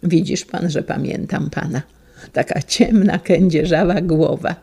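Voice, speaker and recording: A woman voicing a frail, kindly old male schoolteacher whose voice trembles slightly but stays clear, speaking tenderly as he reminisces. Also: fairly low pitch, unhurried, dark tone, full character voice. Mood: fond, reminiscing.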